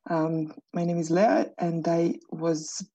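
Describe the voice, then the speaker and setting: A woman from Serbia introducing herself as a guest, talking hesitantly with many pauses. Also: on the low side, little pitch movement, mellow, no echo. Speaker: guest, international trainer. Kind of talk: casual self-introduction.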